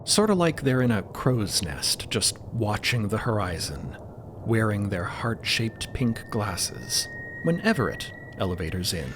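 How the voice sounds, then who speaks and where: A man narrating scripted audio fiction in a deliberate, atmospheric, dramatic style. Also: on the low side, big pitch swings. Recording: clear background noise, ambience.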